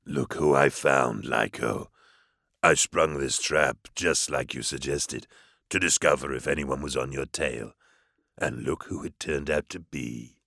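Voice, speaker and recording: Cherubael, a gravelly demon host. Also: male voice, fairly bright tone, no echo, studio quality, exaggerated voice. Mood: menacing. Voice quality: very deep gravelly voice, slow and measured. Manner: taunting, intimate, drops into whispers. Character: ancient male demon host, menacing and coldly manipulative. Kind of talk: audiobook character voice.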